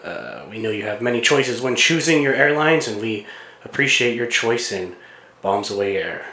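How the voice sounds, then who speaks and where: A podcast host putting on a male airline captain making a halting intercom announcement full of pauses and fillers. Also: medium pitch, lively intonation, pushed and bright, echoey room, voice pushed down, rough recording. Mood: deadpan.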